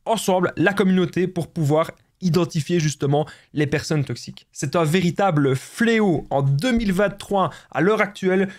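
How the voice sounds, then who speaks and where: A man with a Belgian French accent, a relationship coach speaking straight to his viewers in an emphatic, repetitive way and calling them friends. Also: high voice. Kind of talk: direct-to-camera advice monologue.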